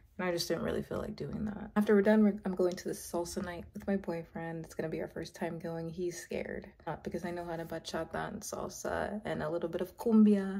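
Speaking at a fairly quick pace, a woman with a fairly low pitch uses fairly even intonation and a dark, mellow, somewhat breathy tone. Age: 20s. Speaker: vlogger. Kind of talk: casual vlog talk to camera. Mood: upbeat, chatty. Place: home room. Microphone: phone near.

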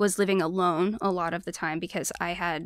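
In an American accent, a woman speaks with ordinary pitch variation. The sound is dry with no echo, and the background is quiet. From California. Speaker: singer-songwriter and poet; poet. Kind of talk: casual interview conversation. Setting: on location, in-person. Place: studio. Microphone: studio mic.

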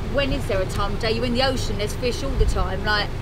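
The voice belongs to a woman. Heavy background noise runs loudly through the clip. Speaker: vlogger. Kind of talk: casual vlog chat. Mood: playful, argumentative. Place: boat.

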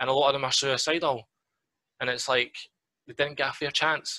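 Speaking fairly quickly in a Scottish accent, a man has a bright, sharp tone and flat, monotone intonation against a quiet background. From Scotland. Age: 30s. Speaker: author and mental health advocate; panel contributor with lived experience. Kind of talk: personal testimony. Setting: video call. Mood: earnest, serious. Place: home room.

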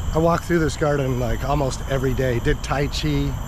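Over noticeable background noise, a man talks at a fairly quick pace in a dry recording with no echo. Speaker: travel vlogger. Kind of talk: casual vlog chat. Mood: relaxed, nostalgic. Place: garden. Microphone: phone near.

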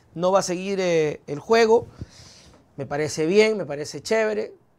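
A man's high voice at a fairly quick pace, with very wide swings in pitch. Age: 30s. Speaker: political commentator host. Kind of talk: news commentary reading articles aloud. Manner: casual, conversational. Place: studio. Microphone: lapel.

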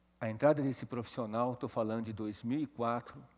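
His pitch shows ordinary variation. The speaker is a man. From Brazil, São Paulo. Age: 50s. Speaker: business executive. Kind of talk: motivational talk. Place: stage. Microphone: headset.

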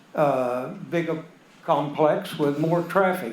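A fairly high-pitched man talks in a room with audible echo and noticeable background noise. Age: 90s. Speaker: retired engineer, public commenter. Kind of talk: public comment at meeting. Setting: council chambers.

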